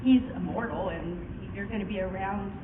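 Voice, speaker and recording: A woman's voice: medium pitch, normal speed. A woman in the audience asking the panel a question, hesitant and giggly. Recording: distant mic in echoey hall, lo-fi.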